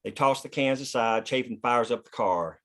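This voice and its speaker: A man's voice: medium pitch, normal speed. A man reading stage directions as the narrator of a screenplay, in scripted narration.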